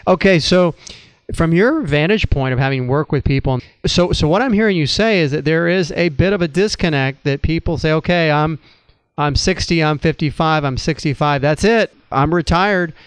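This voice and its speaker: Smooth-voiced man hosting a finance chat. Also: a little high, normal speed, no echo, rough recording. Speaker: host. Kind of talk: conversational interview on retirement finance.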